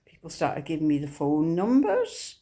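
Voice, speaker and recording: A Scottish woman hosting a Christian video, telling her personal faith testimony in an earnest, unhurried way. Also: low-pitched, huge pitch swings, dark tone. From Scotland.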